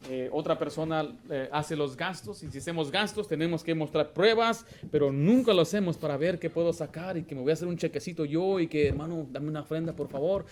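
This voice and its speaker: A middle-aged man preaching as pastor of a church, putting questions to the congregation and building to loud emphasis. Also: a little high, fairly quick, few pauses. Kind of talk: sermon.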